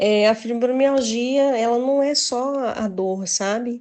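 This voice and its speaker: This woman talks very slowly, her intonation staying fairly even. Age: 40s. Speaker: administrative assistant and local photographer. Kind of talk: interview.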